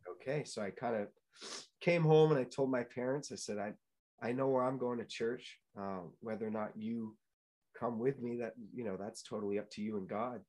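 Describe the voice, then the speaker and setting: A man's voice: medium pitch, moderate pace, a little mellow, low-quality recording. A young man from New England, a Christian musician telling his story as a podcast guest, earnest and full of fillers and restarts. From New England, United States. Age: young adult. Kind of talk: casual interview chat.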